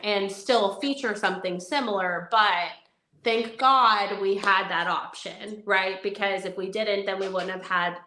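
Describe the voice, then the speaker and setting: A woman's voice: medium pitch, steady tone, unhurried, sharp tone, reverberant. A woman co-hosting a live podcast, chatting in an upbeat way and giving practical advice. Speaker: podcast co-host. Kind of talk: casual live podcast chat.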